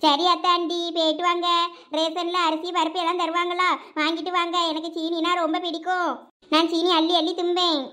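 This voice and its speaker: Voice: very high voice, little pitch movement, a little fast, bright, forceful tone. A voice actor playing a spoiled, food-loving young city bride in a village cartoon, with a childish, whiny manner and a Thoothukudi Tamil accent. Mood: giddy.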